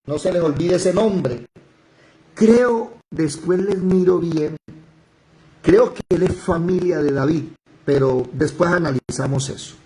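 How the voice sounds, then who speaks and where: A man teaching a live Bible study, explaining verses in a lively way and stopping the reader to comment. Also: on the high side, slight background noise, poor audio.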